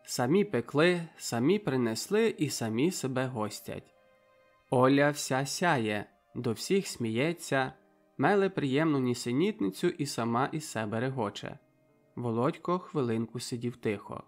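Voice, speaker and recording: A man narrates a literary audiobook in a steady, mid-pitched voice. His storytelling stays even and measured. Soft music plays faintly underneath.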